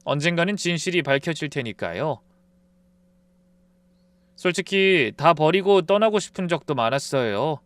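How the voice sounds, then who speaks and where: A man narrating a first-person family drama story in a calm, confiding tone, close to the mic. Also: fairly high pitch, moderate pace, long pauses, no echo.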